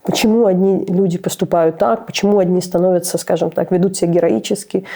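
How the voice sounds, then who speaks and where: A woman's voice, deeply dark and mellow with heavy fry running through it. She recounts what she heard in an easy conversational way, often stopping to search for the next word. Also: fairly even intonation, fast talker. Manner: searching for words, restarts. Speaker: interview guest. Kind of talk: conversational storytelling.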